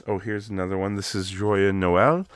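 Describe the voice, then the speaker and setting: A Canadian man hosting a casual crafting tutorial, chatty with many ums, his voice still rough from being sick. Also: low voice, steady tone, normal speed. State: recovering from illness, voice still rough. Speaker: craft video host.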